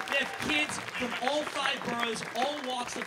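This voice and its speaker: Loud background noise behind male speech at a moderate pace. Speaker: gala auctioneer. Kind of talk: charity auction appeal. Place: hall.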